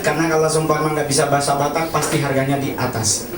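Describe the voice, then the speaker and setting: An Indonesian stand-up comic performs at an open mic, talking fast in a slightly high, level voice as he confesses things, keeps saying "honestly," and acts out other people's lines. He's on a comedy cafe stage, recorded from a distance with echoey club sound and loud laughter from the audience.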